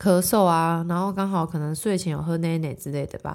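A woman speaks in a very deep, low pitch. The recording is very clean, with a silent background. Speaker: podcast host, dietitian and parent. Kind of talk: casual solo monologue.

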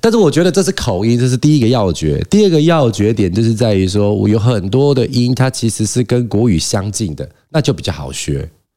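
With very wide pitch swings around a medium pitch, a man with a dark, mellow tone talks at a fairly quick pace with hardly any pauses on a very clean recording with a silent background. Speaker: podcast co-host. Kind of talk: casual chat.

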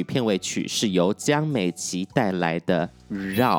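A man with an animated tone is heard in a very clean recording with a silent background and a dry, close sound with no echo. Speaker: podcast host and songwriter. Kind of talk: casual solo podcast.

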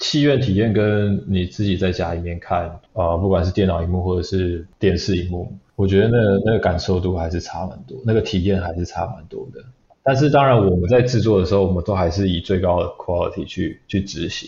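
A man talks at a fairly quick pace. His pitch is very deep and low, and his voice is somewhat breathy. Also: ordinary pitch variation. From Taiwan. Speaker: visual effects artist. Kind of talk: casual interview.

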